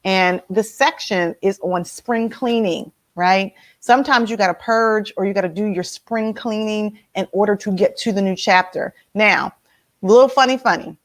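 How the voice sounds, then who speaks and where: A woman's voice: mid-range voice, normal speed. A woman host with a slightly nasal voice, leading a casual motivational talk and asking her listeners many questions.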